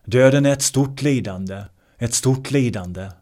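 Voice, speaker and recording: A man teaching meditation in a measured way, often repeating key words. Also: medium pitch, a little mellow. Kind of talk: translated meditation discourse.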